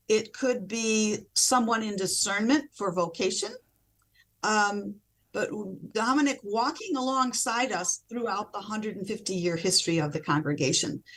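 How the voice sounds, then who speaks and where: A woman religious sister, a guest on a video call, explaining her community in a measured way. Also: mid-range voice, fairly bright tone. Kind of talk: explanatory interview answers.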